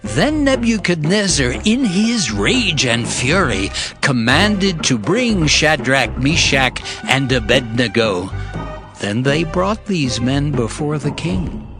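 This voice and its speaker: A male narrator tells a scripture story slowly and solemnly, with wide, dramatic swings in his voice. Each phrase is set apart deliberately, and music plays clearly behind him. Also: on the high side, sing-song.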